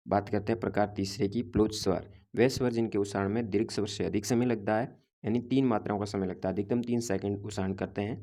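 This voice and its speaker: A man giving a grammar lesson in a low voice. He keeps to a flat, even tone and explains step by step, reciting the letters one at a time. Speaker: teacher.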